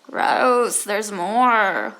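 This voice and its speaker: An actress playing a blunt, sardonic young fairy-tale heroine with a casual, deadpan delivery in an audio comedy. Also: female voice, medium pitch, drawn-out words, slight background noise, heavily acted. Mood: squeamish.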